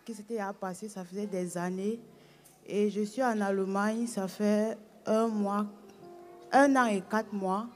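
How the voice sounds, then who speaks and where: A woman's voice: medium pitch, fairly even intonation, unhurried, a little mellow, soft background music. Woman giving a church testimony. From Cameroon. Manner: long unbroken telling with hesitations. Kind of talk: personal testimony at the front of the church.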